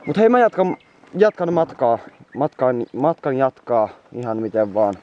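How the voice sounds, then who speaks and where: The recording is muffled as a young, exhausted man chats to camera from his moped trip, cursing frequently as he rambles on. His voice sits at medium pitch and is very animated.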